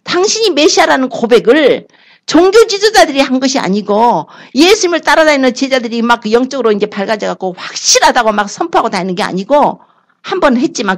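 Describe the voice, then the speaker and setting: A middle-aged woman pastor preaching a sermon, telling the story with lively voices for the people she quotes. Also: on the high side. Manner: animated storytelling, acting out quoted lines in shifting voices.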